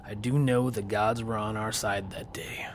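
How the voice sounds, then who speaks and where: An actor playing a grave warrior, telling his own story in a solemn, hushed first-person narration. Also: fairly low pitch, fairly even intonation, moderate pace, a little hiss or hum, natural voice. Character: grave Viking warrior man recounting his past.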